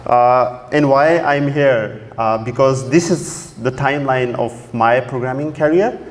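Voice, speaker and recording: In a large dark auditorium, a man with Urdu as his first language speaks from a podium, giving a relaxed technical conference talk marked by many fillers and restarts. His mid-range voice is a little slow. There's long reverb, faint ambience, and slight background noise.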